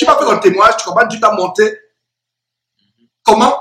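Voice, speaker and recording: In a raised, projected voice, a man speaks at a moderate pace with a high pitch and lively intonation. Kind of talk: religious exhortation in conversation. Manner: animated.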